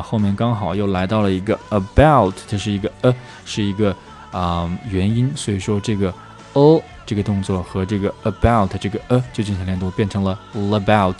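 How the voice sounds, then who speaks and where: A man teaching English pronunciation who explains step by step and repeats example phrases slowly for drilling. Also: fairly low pitch. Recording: soft guitar music underneath.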